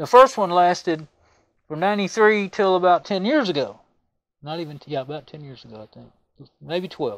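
A man with a Texan accent speaks in a high pitch with lively intonation. He keeps a moderate pace but leaves long, frequent pauses. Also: big swings in loudness. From Texas. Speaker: DIY video maker. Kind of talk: appliance repair tutorial. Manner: rambling, thinking aloud. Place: home room.

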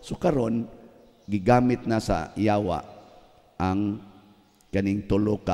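Very slow and fairly low-pitched, a man speaks in a dark, mellow tone. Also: quiet background. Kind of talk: preacher homily with mix of gospel reading. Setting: church. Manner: animated, conversational, joking, rhetorical questions. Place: church. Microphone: podium.

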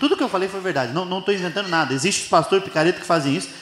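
A man's high-pitched, very fast speech in a Brazilian accent, with ordinary pitch variation and audible room echo. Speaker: comedian. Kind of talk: stand-up. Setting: stage with audience. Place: stage. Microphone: handheld.

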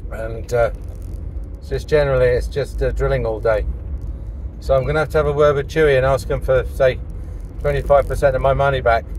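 A man at a moderate pace, with long, frequent pauses, a dry sound with no echo, and light background noise. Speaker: driver vlogger. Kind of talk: casual vlog chat. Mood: wry, mildly annoyed. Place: car. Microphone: phone near.

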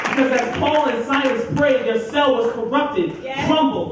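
A man's extremely high pitch at a moderate pace, fairly even in intonation, with strong room echo and noticeable background noise. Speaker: spoken word poet. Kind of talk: spoken word poetry performance with religious content. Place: church.

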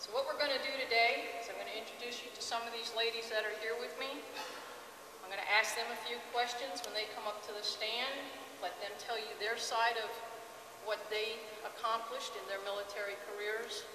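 A woman's fairly high, monotone, flat voice with an American accent, fairly quick, with audible room echo and noticeable background noise. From upstate New York. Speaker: master of ceremonies and army veteran. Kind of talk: moderated panel interview. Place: hall. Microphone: podium.

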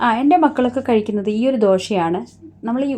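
Its tone is dark and mellow. The pitch rises and falls in an ordinary way. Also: woman. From Kerala, Kasaragod. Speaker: homemaker vlogger. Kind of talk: casual vlog narration.

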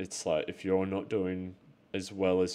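A man with a very deep, low voice speaks at a fairly slow pace. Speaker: runner vlogger. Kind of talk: casual vlog chat. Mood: reflective, upbeat. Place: home room. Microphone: lapel.

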